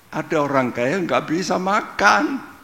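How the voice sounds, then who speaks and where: Speaking at a very slow pace in a high pitch, a man is heard with audible room echo. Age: 80s+. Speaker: pastor. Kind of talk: sermon. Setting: church.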